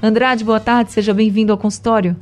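A woman hosting a radio call-in show. She addresses listeners and guests in a friendly, measured way. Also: a little high, little pitch movement, darkish tone, faint music behind. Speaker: radio host.

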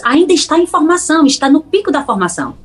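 A woman's voice: sits high, fast. A middle-aged woman from Pernambuco with a Northeastern Brazilian accent, explaining child behavior as an interview guest and acting out little scenes of parents and kids. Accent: Northeastern Brazilian Portuguese. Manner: animated, acts out parents and children in quoted dialogue. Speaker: psychologist guest.

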